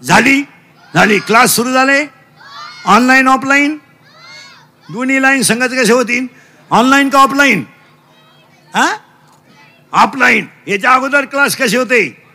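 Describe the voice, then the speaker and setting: A middle-aged man preaching a comic kirtan. His voice sits very high with a gravelly fry and a sharp, piercing edge. He shouts call-and-response questions at the children and throws broken English into his lessons. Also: unhurried, long pauses. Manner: mixes broken English into lectures.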